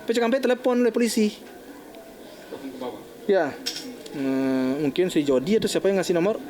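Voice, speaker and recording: Older man, halting and shaken. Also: high voice, animated, mellow. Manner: halting, restarting, acting out phone calls. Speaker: interviewee, bereaved father. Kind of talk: recounting events in an interview.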